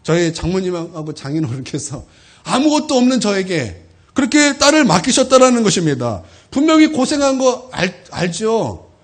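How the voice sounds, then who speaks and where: High-voiced, animated Korean pastor preaching. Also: male voice, moderate pace. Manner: emotional, heartfelt testimony to the congregation. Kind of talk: sermon.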